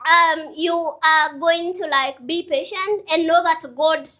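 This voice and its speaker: Talking straight to camera, a motivational vlogger in her twenties gives earnest, chatty advice, repeating her points and tossing in casual asides. Her voice is very high and sharp, fairly even in intonation, and she takes it slowly.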